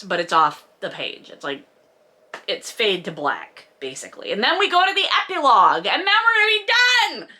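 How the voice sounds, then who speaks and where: A woman's voice: medium pitch, bright, forceful tone. A woman giving a casual, comedic book recap with sarcastic, wry asides, in the manner of a video host.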